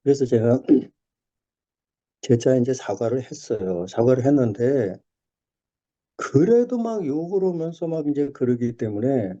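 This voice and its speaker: Middle-aged man, church testimony over a lo-fi call, animated storyteller, deep dark tone. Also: a little slow, pauses often. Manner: storytelling, animated, with many restarts and fillers. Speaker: church member sharing testimony. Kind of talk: personal testimony in a video call. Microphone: video call. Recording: dull lo-fi video call audio.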